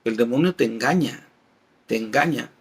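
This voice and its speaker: Creaky, husky male catechist teaching. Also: mid-range voice, normal speed. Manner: explains patiently, reads passages aloud and gives everyday examples. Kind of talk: Bible class.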